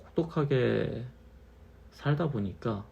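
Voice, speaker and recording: A man in his thirties, a little tipsy from wine, musing slowly in a casual monologue and repeating his phrases. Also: mid-range voice, expressive, gravelly, a little mellow, husky, muffled recording. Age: 30s. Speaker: channel host.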